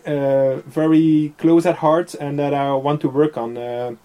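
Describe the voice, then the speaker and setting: A man's voice: fairly high pitch, flat delivery, measured pace, dull audio. A man whose first language is Dutch, speaking English in a casual interview with many fillers and frequent laughs. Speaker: interview guest, software developer.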